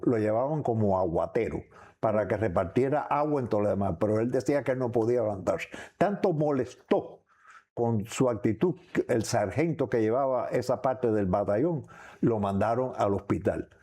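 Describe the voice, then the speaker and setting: An older man with a Cuban accent, giving reflective personal testimony as an interview guest, in halting, rambling phrases. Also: on the low side, expressive, dark tone, breathy edge. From Cuba. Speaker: interview guest recounting memories.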